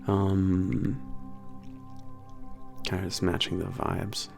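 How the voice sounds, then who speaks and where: Man as a low, creaky-voiced, laid-back werewolf trainer. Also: completely flat delivery, full character voice. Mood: relaxed, nostalgic. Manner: halting, mumbled, informal, trailing off. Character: laid-back, slightly gruff young male werewolf trainer at a spaceport. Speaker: workplace trainer. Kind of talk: casual ASMR roleplay. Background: soft background music.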